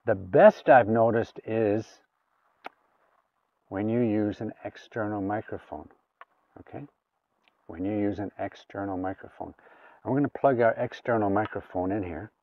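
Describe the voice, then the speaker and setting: A man's voice: on the low side, unhurried, pauses often, no echo, distant mic. A man giving a casual hands-on gadget demonstration, talking through each step aloud in an informal way. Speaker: gadget reviewer. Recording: phone-like, thin sound, off the mic.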